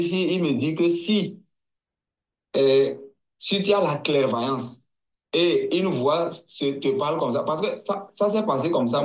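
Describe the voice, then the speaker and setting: Slow, halting man from Togo. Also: a little high, dull audio. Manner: hesitant, halting, with many restarts and repetitions. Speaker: guest giving a testimony. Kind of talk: slow personal testimony.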